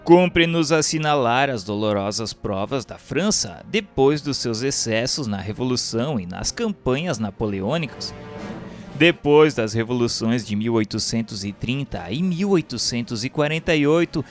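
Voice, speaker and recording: A man's voice: medium pitch, animated, normal speed. A man with a Brazilian accent reading a scripted narration in a solemn, formal, declamatory way. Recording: music bed under the voice. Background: instrumental music.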